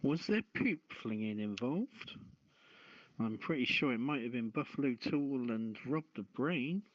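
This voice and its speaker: A man hosting a talk show, reading news and chatting with a halting, stumbling delivery. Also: mid-range voice, lively intonation, no echo. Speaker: host of an online talk show. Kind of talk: reading news aloud and casual chat. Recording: dull, lo-fi audio.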